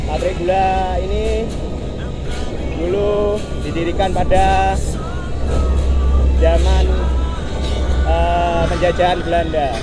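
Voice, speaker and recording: A man at a very slow pace with long, frequent pauses, clear music in the background. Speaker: cycling vlogger. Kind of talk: casual vlog commentary. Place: bicycle. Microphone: phone near.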